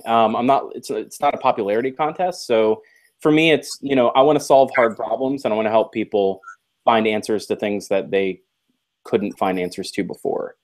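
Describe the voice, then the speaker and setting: A man's voice: lowish voice, normal speed. A man on a casual live podcast, talking earnestly about his experience and teasing the others. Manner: earnest, reflective, teasing asides.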